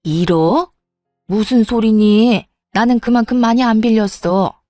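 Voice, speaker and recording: A woman's voice: fairly high pitch, a little slow, warm tone, no room sound, clean studio sound, faint music behind, natural voice. A woman voicing a selfish older mother-in-law who dismisses and scolds her son in a storybook reading. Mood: dismissive.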